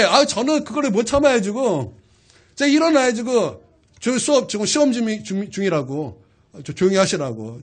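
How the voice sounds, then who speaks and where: A man preaching a sermon in a high, bright voice that leaps up and down as he tells his story. He talks straight to the congregation and throws questions at them. He shifts his delivery constantly to keep them listening. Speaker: pastor.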